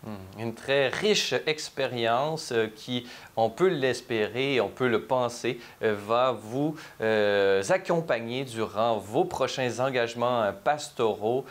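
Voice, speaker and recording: A man hosting a television interview, asking questions and signing off in a measured, formal way. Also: medium pitch. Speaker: TV host. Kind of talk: TV interview and sign-off.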